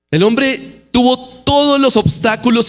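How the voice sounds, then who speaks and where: Speaking at a very slow pace, a man talks with a Bogotá accent. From Colombia, Bogotá. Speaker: pastor. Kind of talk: sermon. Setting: church.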